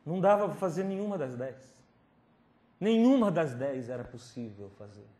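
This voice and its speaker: A male preacher telling a personal testimony at a youth camp, acting out scenes with sudden drops to whispers and loud pleading cries. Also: a little high, very animated, normal speed. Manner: dramatic storytelling, swinging from whispers to loud pleading. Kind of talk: testimony sermon. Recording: roomy hall recording with faint noise.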